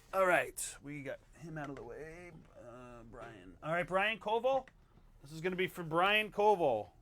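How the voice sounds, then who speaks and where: A bright, sharp tone at a moderate pace, with very wide pitch swings and big swings in loudness. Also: man, high pitch for a man. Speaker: autograph signing show host. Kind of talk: live stream sales chat. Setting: studio.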